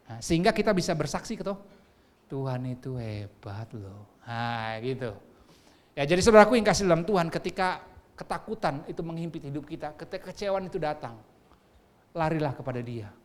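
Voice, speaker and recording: Man preaching with sudden loud-soft swings. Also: fairly high pitch. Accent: Indonesian. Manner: swings between loud exhortation and soft, hushed fatherly lines, sometimes sings phrases; asks the congregation questions and waits for replies. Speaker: pastor. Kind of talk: sermon.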